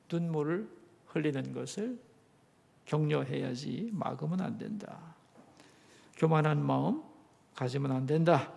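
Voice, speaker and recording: A man's voice: a little high, vocal fry, a little mellow, in a large hall. A middle-aged male pastor giving an earnest sermon, often asking the congregation questions. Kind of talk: sermon Bible lecture. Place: church sanctuary.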